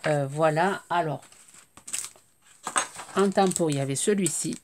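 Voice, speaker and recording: A French woman with a slightly hoarse voice, chatting casually and hesitantly about her crafting purchases, full of fillers and restarts. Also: low voice, unhurried, background noise. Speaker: crafting YouTuber. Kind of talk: casual haul show-and-tell.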